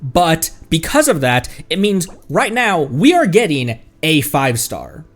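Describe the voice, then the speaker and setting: A man's voice: a little high, very animated, takes it slowly. A man chatting casually on a live game stream, thanking viewers and laughing often.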